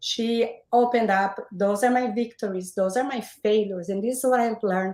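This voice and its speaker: A woman with a non-native accent, fairly high pitch, and fairly even intonation. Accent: foreign. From Brazil. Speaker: online course creator. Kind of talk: testimony.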